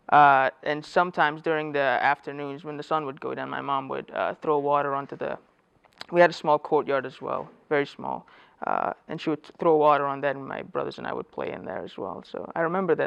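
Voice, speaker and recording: A man's voice: fairly high pitch, fairly quick, gravelly, fairly bright tone, clear, resonant tone. A man from Afghanistan, a native Dari speaker, talking in an interview about growing up, hesitant with frequent restarts and self-corrections. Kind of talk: reflective personal storytelling. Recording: dull lo-fi audio.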